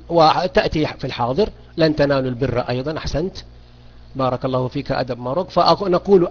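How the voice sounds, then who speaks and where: A man teaching a beginners' grammar lesson online, questioning students and repeating key points. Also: fairly high pitch. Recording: dull lo-fi audio.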